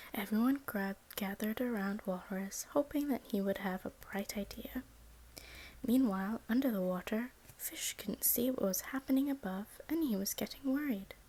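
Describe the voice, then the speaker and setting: A soft-spoken woman talks in a fairly high, somewhat breathy voice with a gentle tone. Her pitch varies in an ordinary way. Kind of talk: read-aloud children's story. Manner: slow, gentle.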